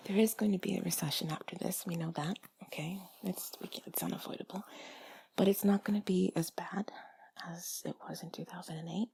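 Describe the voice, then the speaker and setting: A woman talking in a hushed, breathy, intimate whisper, rambling along in a reassuring, comforting way as if to one listener. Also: on the low side, steady tone, normal speed, long pauses. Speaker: audio creator speaking to listener.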